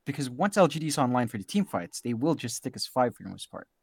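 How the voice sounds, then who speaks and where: A man from Southeast Asia with a Southeast Asian English accent, giving relaxed, analytical esports color commentary. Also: medium pitch, fast, vocal fry, breathy edge, no echo. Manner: relaxed, easily amused, thinking aloud. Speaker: esports co-caster.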